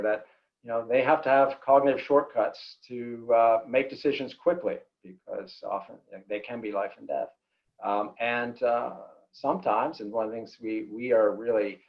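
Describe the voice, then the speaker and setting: A man answering a question in an online town hall, halting and restarting often. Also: medium pitch. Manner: halting, many fillers and restarts. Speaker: organization representative answering questions. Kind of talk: webinar answer. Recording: dull lo-fi audio.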